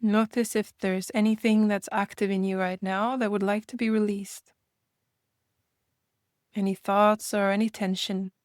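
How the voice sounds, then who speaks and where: A woman leading a guided meditation in a gentle manner, speaking in unhurried invitations with long pauses. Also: mid-range voice, flat delivery, no echo, clean studio sound.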